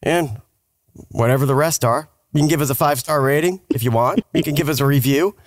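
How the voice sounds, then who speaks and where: A man hosts a casual podcast conversation. His voice is a bit higher than most men's and recorded very dry. He talks in an informal, encouraging manner. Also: a little fast, no echo. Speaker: podcast host. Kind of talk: casual chat.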